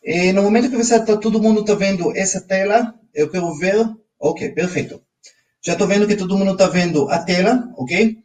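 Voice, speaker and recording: Recorded from afar, a high-voiced man speaks at a moderate pace while running a live online finance class. He is a financial coach from Israel, a Hebrew native speaker with an Israeli accent, who keeps energetically prompting his audience with "ok?"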